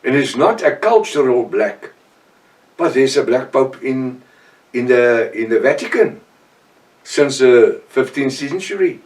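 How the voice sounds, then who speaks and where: A man's voice: medium pitch, lively intonation, a little mellow, recorded from a distance. Older Afrikaans-accented man preaching. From South Africa. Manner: earnest, halting, with many restarts. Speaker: professor and preacher. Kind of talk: informal Bible teaching.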